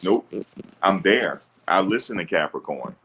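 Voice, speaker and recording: A man with a very low, deep voice talks straight into his streaming mic. He answers his chat bluntly and sounds sure of himself, assertive and ready to push back. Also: expressive, a little slow, a bit bright, a little hiss or hum. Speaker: livestream host. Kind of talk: livestream commentary answering chat. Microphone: streaming setup.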